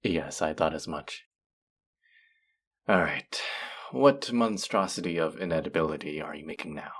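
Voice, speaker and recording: A man's voice: a bass voice, measured pace, a bit bright, breathy edge, exaggerated voice. A man playing a teasing, sardonic, flirtatious male faerie in a scripted audio roleplay. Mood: mocking, amused. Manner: sardonic, teasing, drawling with sighs.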